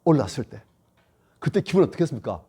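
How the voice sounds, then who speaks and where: A male pastor preaching a sermon, emphatic and repetitive, swinging between loud lines and hushed ones. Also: mid-range voice, very animated, quick pace, slightly rough. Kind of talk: sermon at a church retreat.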